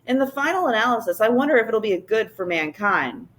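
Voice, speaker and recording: A middle-aged father, brisk and a little skeptical, talking in a plain matter-of-fact way, voiced by a woman reading aloud. The pitch jumps around lively.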